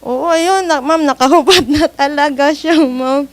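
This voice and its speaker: A woman's voice: sits high, measured pace, background noise. A woman, an overseas worker, earnestly and politely recounting a personal ordeal in an interview, with nervous laughs. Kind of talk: personal story told in an interview.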